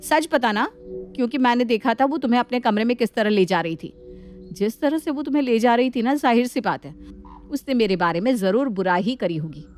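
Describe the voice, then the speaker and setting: A woman's voice: a little high, expressive, fairly quick, a little mellow, slight background noise, lightly acted. A woman voicing a proud, jealous elder daughter-in-law who speaks in a snide, self-righteous way. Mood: scornful.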